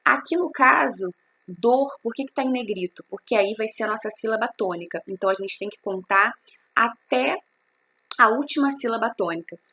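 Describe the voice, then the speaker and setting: A woman's voice: a little high, animated, moderate pace, sharp tone, a little hiss or hum. A woman, teaching a recorded literature class and explaining step by step, asking and answering her own questions.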